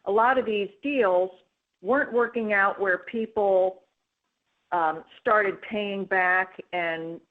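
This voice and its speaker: A woman executive answering analyst questions on an earnings call, in a conversational way with frequent fillers. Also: mid-range voice. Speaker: company executive. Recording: tinny phone line.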